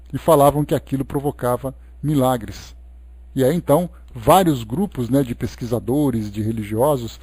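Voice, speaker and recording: Male Brazilian lecturer for religious book study; didactic yet conversational, mellow timbre, close dry sound. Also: medium pitch, dry recording. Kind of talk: expository study talk, reading aloud and explaining.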